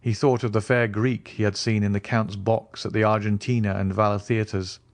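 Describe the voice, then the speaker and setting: A man's voice: fairly low pitch, flat delivery, normal speed. Man narrating a classic novel. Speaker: audiobook narrator. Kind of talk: scripted literary narration.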